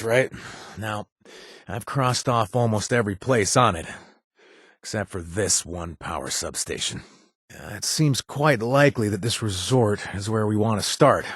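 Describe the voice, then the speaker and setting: Young wasteland joker in a video game, dry close sound, animated delivery, hesitant fillers, self-mocking wit. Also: male voice, on the low side, slightly rough, no echo, heavily acted. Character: wisecracking young male wasteland ex-chem user. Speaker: game companion character. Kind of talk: scripted video game voice lines.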